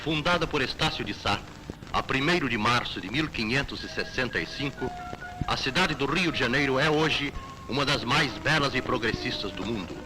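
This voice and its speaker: A man narrates an old 1940s newsreel in a declamatory, affected voice. His pitch sits mid-range for a man, and he delivers each line with booming formality. Clear music plays behind him throughout the old newsreel recording. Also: lively intonation, moderate pace, rough recording. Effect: old 1940s newsreel soundtrack.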